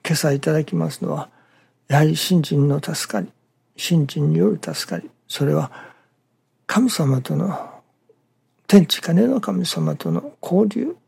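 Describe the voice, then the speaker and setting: A minister giving a morning sermon in a halting, measured way, breaking phrases with pauses and dropping some words to a near-whisper. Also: mid-range voice, big pitch swings, creaky, darkish tone, husky.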